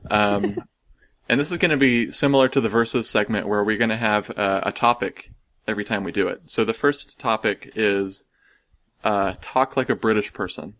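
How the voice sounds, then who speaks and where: A man's voice: lowish voice, moderate pace, fairly bright tone. An American man hosting a casual podcast, rambling and self-deprecating, laughing often. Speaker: podcast host.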